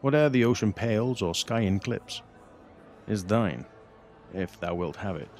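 An actor playing a scheming, bitter pirate captain in a Shakespearean audio drama, speaking with deliberate insistence. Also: male voice, lowish voice, lively intonation, darkish tone, soft background music. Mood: insistent, tempting. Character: scheming, bitter pirate captain urging treachery on his lord.

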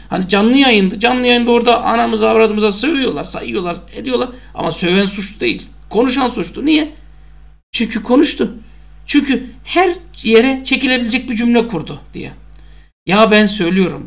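A man with a notably high speaking voice delivers a casual vlog monologue to his followers. He talks emphatically and drives his points home by saying them again. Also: vocal fry, fairly bright tone. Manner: emphatic, repeats phrases for emphasis. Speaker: football fan YouTuber.

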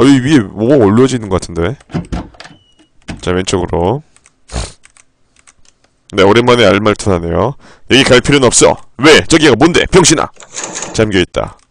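A man reads in-game text aloud during a live-streamed playthrough, keeping his voice low and flat until sudden, foul-mouthed outbursts break through. He talks at a moderate pace with long pauses, and there's a little hiss or hum in the background.

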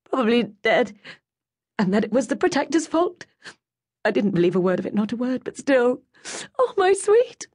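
A lady doing a crying mom voice way up high, shaky and breaking, kinda husky. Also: moderate pace. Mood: tearful, overwhelmed. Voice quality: breaking, trembling voice. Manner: hushed, urgent, emotional. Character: tearful overjoyed mother, middle-aged woman. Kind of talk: audiobook character voice.

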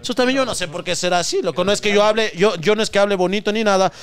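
Ecuadorian highland man, high and quick, rambling comic podcast co-host, casual cursing. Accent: Ecuadorian highland Spanish. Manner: rambling, joking, swears casually. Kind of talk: casual comedy podcast chat.

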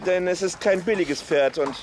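An actor playing a shrewd middle-aged horse dealer in a radio play, commanding and hesitant with hums. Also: male voice, sits high, moderate pace, noisy background, close to an everyday voice. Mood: relieved. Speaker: horse trader.

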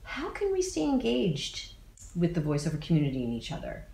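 A woman interviewer reading out questions to her guest in a measured way. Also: low voice, wildly swooping pitch, vocal fry, warm tone. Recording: echoey, distant, faint background noise.

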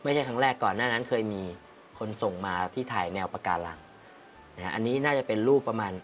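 A man's voice: lowish voice, quick pace, soft background music. A man hosting a casual photography-critique livestream, reading viewer comments aloud and laughing often. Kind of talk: casual live chat reviewing viewer photos.

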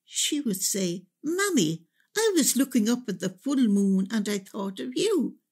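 A woman's voice: on the high side, sing-song, a little slow, darkish tone, slightly rough, full character voice. An actress playing a proud, tender Irish mother in a radio drama, reminiscing in a reflective way. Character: Irish mother fondly remembering her daughter, tender, proud.

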